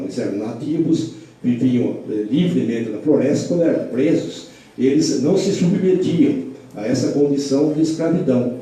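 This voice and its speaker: A man from the interior of São Paulo with a Brazilian Portuguese accent explains local history in a slow, lecturing way. His voice is dark and mellow. He sits away from the mic in a very echoey room. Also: mid-range voice, recorded from a distance. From Porto Feliz, São Paulo state, Brazil. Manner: measured, lecturing with many fillers and restarts.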